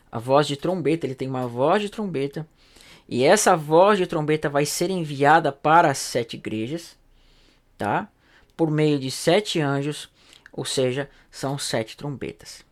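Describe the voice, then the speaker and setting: A man's voice: fairly high pitch, unhurried, pauses often. A man, a pastor teaching a recorded Bible study. He explains patiently, asks rhetorical questions and keeps checking in with tag questions. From Brazil.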